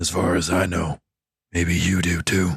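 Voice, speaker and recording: A man uses a put-on character voice, very deep, low and raspy, at a moderate pace. His intonation is monotone and flat, in dry, close sound with no echo. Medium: audio drama. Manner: terse, hard.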